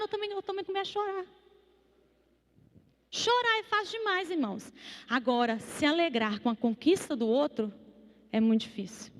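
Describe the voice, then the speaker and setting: Brief: high-pitched female preacher, lively sermon with acted-out voices, long church reverb. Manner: animated, acts out quoted voices. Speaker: psychologist preaching. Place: church hall.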